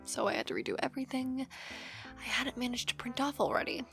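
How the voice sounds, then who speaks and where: A woman's voice: high voice, big pitch swings, quick pace, creaky, a bit bright, exaggerated voice. Woman acting as an affectionate, teasing working wife, music behind. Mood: exasperated venting. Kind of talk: ASMR audio roleplay.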